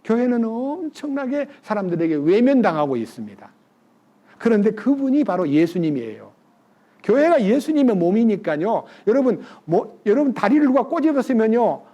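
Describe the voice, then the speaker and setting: A man's voice: high-pitched, big pitch swings, normal speed, mellow, lo-fi sound. A male pastor delivering a sermon in a conversational way, putting questions to the congregation.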